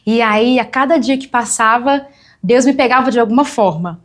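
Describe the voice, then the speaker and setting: A woman's voice: on the high side, moderate pace. A young woman, telling her testimony as a guest on a church talk show and acting out the voices of people she quotes. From Brazil.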